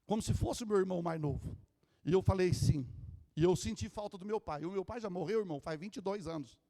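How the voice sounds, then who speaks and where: A Brazilian pastor with a very high, strained voice preaches with fervent intensity, shouting his points before dropping to a hushed storytelling tone. His voice rings out through a large church hall with a long, lingering reverb. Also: fairly quick. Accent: Brazilian Portuguese. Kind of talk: Pentecostal sermon, shouted preaching.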